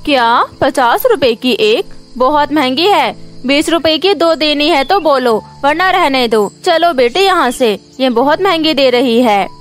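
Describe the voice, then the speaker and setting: A high-pitched, brusque cartoon mother, voiced by a woman storyteller. She bargains curtly and sounds hard to please. There is music behind her. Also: lively intonation, measured pace, hardly any pauses. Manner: curt, bargaining. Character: brusque, haggling mother out shopping with her daughter. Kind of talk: cartoon moral story character acting.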